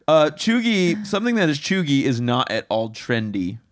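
A man's voice: on the high side, sing-song, normal speed. A man co-hosting a casual podcast chat, teasingly quizzing his co-host on slang.

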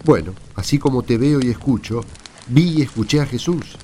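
A man's voice: mid-range voice, animated, normal speed, warm tone, slight background noise, natural voice. A man with an Argentine accent playing an earnest, assured apostle testifying to friends in a radio play. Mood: solemn, earnest. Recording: music under the voice.

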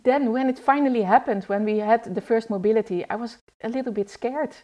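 A woman in her forties, a youth trainer speaking as a podcast guest, pausing often to find her words. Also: fairly high pitch, warm tone. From Netherlands. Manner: hesitant, searching for words. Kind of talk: podcast conversation.

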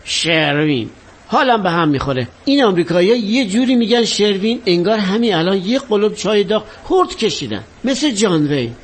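A man's voice: high-pitched, sing-song, breathy edge, heavily acted. An actor playing a vain, half-mad former star who talks grandly and bitterly about his fame. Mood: mocking grandiose. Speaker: actor in a stage or film drama. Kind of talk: dramatic monologue acting.

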